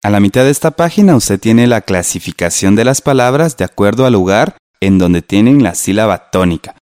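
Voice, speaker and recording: Man, radio teacher, patient, lower voice with lively pitch, dry sound. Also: no echo. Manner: slow, patient, spells out syllables. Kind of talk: scripted radio lesson.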